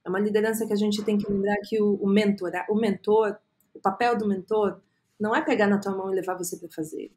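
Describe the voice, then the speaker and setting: A woman in her thirties with a Brazilian Portuguese accent, a podcast guest telling her career story earnestly and often filling pauses with "é". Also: mid-range voice, steady tone, a little mellow. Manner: earnest, storytelling, frequent "é" fillers. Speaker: guest, agency co-founder. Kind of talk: reflective podcast interview.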